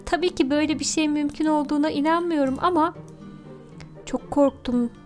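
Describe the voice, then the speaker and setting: A woman with a very high, girlish pitch hosts a game role-play. She speaks in a theatrical, exclamatory way, with faint music behind her. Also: fairly even intonation, brisk, darkish tone. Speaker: gaming video host. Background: background music.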